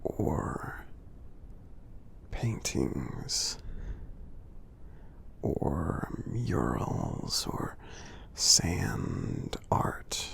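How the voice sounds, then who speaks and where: In this ASMR roleplay, a man plays a gentle, supportive giant with an exaggerated voice and huge pitch swings. He speaks in a husky, breathy, gravelly half-whisper, slow and reassuring with frequent pauses, keeping the feel soothing.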